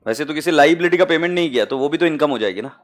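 A man's voice: a little high, expressive, very fast. A man with an Indian accent teaching accounting to a live class, mixing Hindi and English and calling students "beta" fondly.

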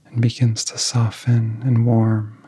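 A man guiding a relaxation in soft-spoken ASMR style, with a soft, whispery voice and gentle, soothing phrasing broken by long pauses. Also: medium pitch, monotone. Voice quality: soft, breathy, often whispery. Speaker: ASMR hypnosis guide.

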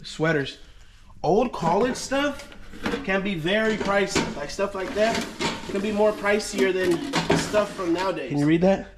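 A man's voice: high-pitched, measured pace, background noise. A man in his thirties casually narrating as he digs through boxes in a storage unit, exclaiming over each find. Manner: excited, exclaiming over finds. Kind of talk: casual unboxing commentary.

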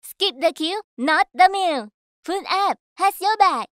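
A woman reading scripted voice-over in a measured, clearly enunciated way. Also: very high voice, lively intonation, fairly bright tone, dry recording. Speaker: voice actor. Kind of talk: voice-over demo reading of commercials, narration and announcements.

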